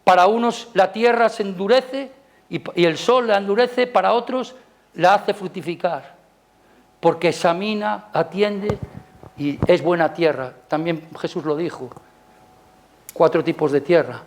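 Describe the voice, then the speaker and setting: A man with a Spanish accent delivers a Sunday sermon in a church, his voice sitting somewhat high. He talks with the congregation as much as at them, tossing in rhetorical questions. On key points he climbs higher and louder, then falls back to a soft, low aside. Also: unhurried. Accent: Spanish from Spain. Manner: rises loud and high on emphasis, drops soft. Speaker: preacher. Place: church service.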